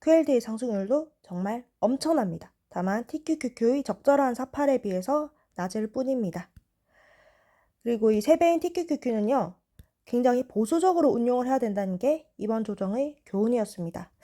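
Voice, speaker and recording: A young woman in her twenties calmly walking through stock chart analysis. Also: on the high side, fairly quick. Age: 20s.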